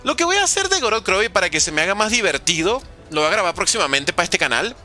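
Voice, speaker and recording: Bright, lively young male gaming streamer. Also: high voice, fast, faint music behind. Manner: joking, reads chat questions aloud and answers playfully. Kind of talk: live gameplay commentary reading chat.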